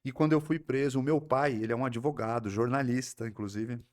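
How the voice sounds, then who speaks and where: Um homem, convidado de um podcast, conta com seriedade e reflexão sua história de recuperação, com sotaque do interior paulista e muitas pausas e recomeços. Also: male voice, medium pitch, steady tone. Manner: earnest, reflective storytelling with frequent restarts. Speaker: psychoanalyst guest. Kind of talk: personal recovery story in a podcast interview.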